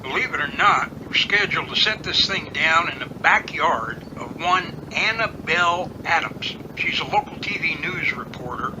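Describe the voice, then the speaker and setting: Deadpan helicopter pilot, acted by a man, noisy recording. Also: fairly high pitch, moderate pace, hardly any pauses, natural voice. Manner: deadpan, matter-of-fact. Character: straight-faced, by-the-book helicopter pilot, dryly unflappable. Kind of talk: amateur audio drama acting. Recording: hissy, noisy radio-drama track with outdoor ambience.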